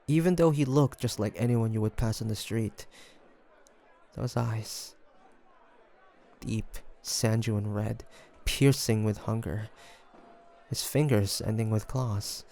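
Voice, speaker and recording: Male actor as a young demon hunter, low-pitched, slow, halting and haunted, audio roleplay. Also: gravelly, darkish tone. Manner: hesitant, halting, stammering. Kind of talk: scripted audio roleplay monologue.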